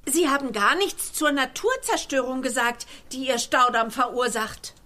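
A woman's voice: high-pitched, normal speed, sharp tone. A woman playing an earnest, indignant young girl in a children's audio drama, urgent and pleading.

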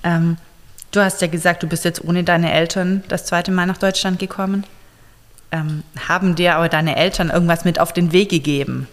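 Low-voiced woman asking gentle questions. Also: steady tone, normal speed, in a large hall. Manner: gentle, careful questioning with fillers. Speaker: interviewer. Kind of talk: structured interview questions.

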